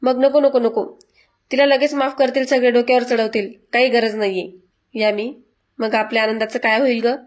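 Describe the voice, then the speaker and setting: A woman's voice: on the high side, steady tone, moderate pace, lightly acted. A woman reading out a bossy, scolding aunt. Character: bossy scheming aunt, middle-aged, bad-tempered.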